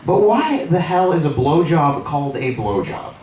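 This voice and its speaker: A man performing a stand-up comedy set on a theater stage, telling stories with animated delivery and jumping into high squeals for the people he quotes. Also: normal speed. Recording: roomy, distant live theater recording with crowd laughter. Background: audience laughter.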